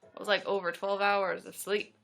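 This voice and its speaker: A woman's voice: mid-range voice, level tone, normal speed, vocal fry, fairly bright tone, soft background music. A woman hosting a casual livestream, stuffed up and tired from a cold, chatting and greeting viewers by name. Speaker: therapist and livestream host.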